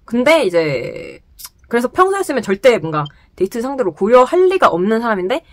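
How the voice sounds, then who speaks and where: A young woman telling a personal story to the camera in casual chat, animated and laughing often, in a small indoor room. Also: on the high side, brisk. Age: young adult. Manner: animated, laughs often, gestures while talking. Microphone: camera close in front, sitting.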